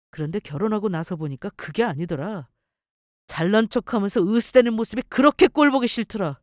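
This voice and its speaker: A woman's voice: mid-range voice, dry recording, clean studio sound, close to an everyday voice. A woman voicing an arrogant, cheating husband who runs a company, talking down with contempt in a story radio drama. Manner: sneering, boastful, contemptuous. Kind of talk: story radio role-play.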